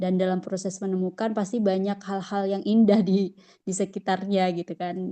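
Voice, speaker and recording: Against a quiet background, a woman speaks at medium pitch with a dark, mellow tone. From East Java, Sumenep (Madura). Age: 30s. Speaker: webinar participant asking a question. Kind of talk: question in online session. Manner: halting, many fillers.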